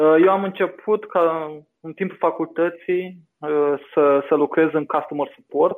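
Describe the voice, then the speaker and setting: This man speaks at a high pitch and a very slow pace. His intonation stays fairly even. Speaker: marketing executive. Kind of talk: interview. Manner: hesitant, many fillers and repetitions.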